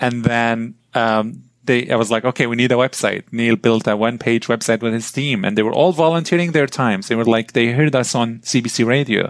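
A man with an Arabic accent talks at a fairly quick pace. His pitch is medium, with ordinary pitch variation. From Syria, Damascus. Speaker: refugee entrepreneur and public speaker. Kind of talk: interview.

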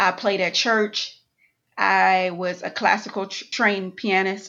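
With an American accent and a normal speaking voice, a woman at medium pitch talks at a fairly slow pace. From Houston, Texas. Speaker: beauty brand founder. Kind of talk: interview.

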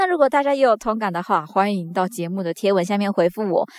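With an unremarkable speaking voice, a woman talks at a fairly quick pace and with lively intonation, the sound dry and close with no echo on a very clean recording with a silent background. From Taiwan. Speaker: podcast host. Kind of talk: solo news commentary podcast. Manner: casual, conversational.

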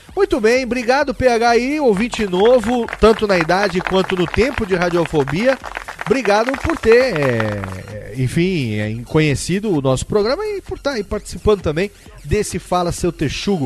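A man's high-pitched voice swinging very widely in pitch, over noticeable background noise. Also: moderate pace. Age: 30s. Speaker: podcast host. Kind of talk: casual chat. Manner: animated.

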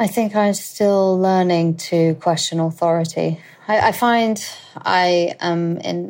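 A woman's medium-pitched voice in a British accent, with fairly even intonation at a very slow pace. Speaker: actor. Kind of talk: casual chat.

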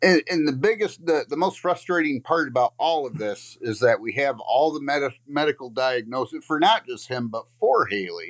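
A man with a Midwestern accent speaks at a fairly high pitch with very wide pitch swings. The sound is dry and close, with no echo. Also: moderate pace. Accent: American Midwest. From Michigan. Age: 40s. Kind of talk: interview.

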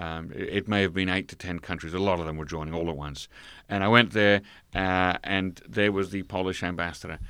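A fairly quick, bright, sharp delivery with an Australian accent and fairly even intonation on a very clean recording with a silent background. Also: man, very deep, low pitch for a man. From Australia, Melbourne. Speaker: Korea expert and commentator. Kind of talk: casual interview.

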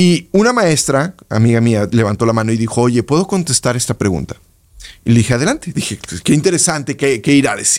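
Here a man with an ordinary speaking voice talks at a fairly quick pace, medium in pitch and lively in intonation. The recording is very clean, with a silent background. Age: 40s. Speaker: podcast host. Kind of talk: casual chat.

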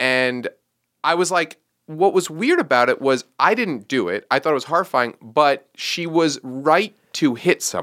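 A plain, everyday voice from a man with an American accent, fairly high in pitch and lively in intonation. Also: fairly slow pace. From New York. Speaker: comedian. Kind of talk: casual chat.

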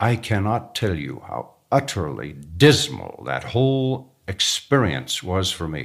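A man speaks very slowly at a fairly low pitch with vocal fry, his pitch swinging very widely and his loudness rising and falling sharply. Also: hardly any pauses. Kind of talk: neighborhood interview, reflective commentary. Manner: formal, measured, lecturing.

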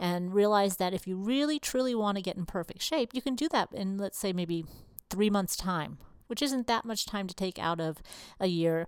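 The woman has a normal speaking voice, medium in pitch, with lively intonation. She talks at a moderate pace on a very clean recording with a silent background. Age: 40s. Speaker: fitness trainer and podcast host. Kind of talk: casual solo podcast talk.

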